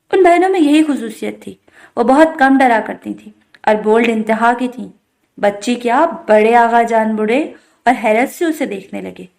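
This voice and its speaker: Higher-voiced woman reading a novel. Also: a little mellow. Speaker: novel reader. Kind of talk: scripted narration of a novel.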